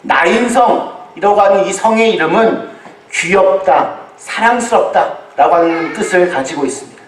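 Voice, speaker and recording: A man preaching a sermon as a pastor to a congregation, telling it in deliberate phrases with pauses. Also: high-pitched, slight background noise. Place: large echoey room, church service. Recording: echoey hall, distant microphone.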